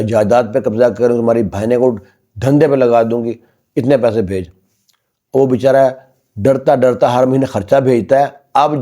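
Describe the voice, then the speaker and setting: Man telling a story, mellow. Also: medium pitch. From Pakistan. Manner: retells dialogue in quick dramatic bursts. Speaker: storyteller and channel host. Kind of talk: casual spoken storytelling.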